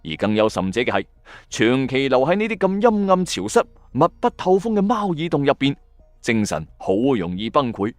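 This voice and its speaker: A man tells stories in Hong Kong Cantonese with a very lively, rising and falling delivery. He talks directly to the listener in colloquial, emphatic phrasing, like the host of a late-night radio ghost show. The voice is recorded dry, with music playing softly behind it. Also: mid-range voice, normal speed, no echo. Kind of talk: dramatic storytelling narration with commentary. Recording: dry voice-over with music underneath. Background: background music.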